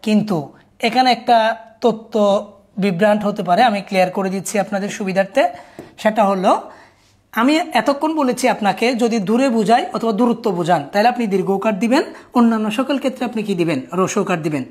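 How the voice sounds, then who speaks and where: A woman teaching a spelling lesson in a recorded class. She explains each rule patiently and keeps asking listeners to look closely at each word. Her pitch sits in a middle range for a woman. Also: fast talker, a little mellow.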